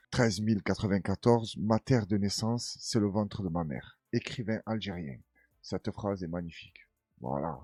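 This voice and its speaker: A man hosting a casual news commentary, chatty and full of street slang. His voice is husky, the sound dry and close, with faint music underneath. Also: fairly low pitch, no echo. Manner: animated storyteller, voicing others in his tales. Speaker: host of a news commentary stream.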